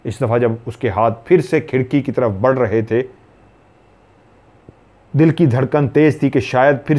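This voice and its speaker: A man's voice: medium pitch, a little mellow. A man from Pakistan narrating a horror story in a dramatic, suspenseful way.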